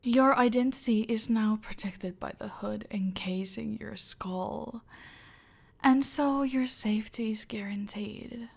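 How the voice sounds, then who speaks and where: A woman voicing a cold, domineering female cartel boss in an ASMR roleplay, speaking in a slow, deliberate, menacing whisper. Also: fairly high pitch, vocal fry, exaggerated voice. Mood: silkily menacing. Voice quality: soft, close whisper.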